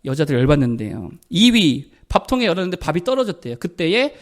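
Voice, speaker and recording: A man, a pastor, giving a Sunday sermon in a lively conversational way, acting out quoted lines for humor. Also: a little high, quick pace. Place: church sanctuary.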